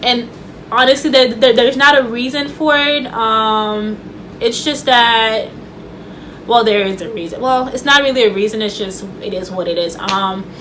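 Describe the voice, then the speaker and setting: A woman vlogs casually to camera from a home room, stuttering, repeating words, and restarting, with a chatty, loose delivery full of fillers. Her slightly bright voice is on the high side at a moderate pace. The rough recording carries a faint hum from the running air conditioner.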